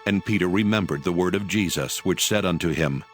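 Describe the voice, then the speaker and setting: A man narrating scripture in a solemn, measured storytelling manner, as a scripted dramatized reading. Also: sits low, loud music behind the voice.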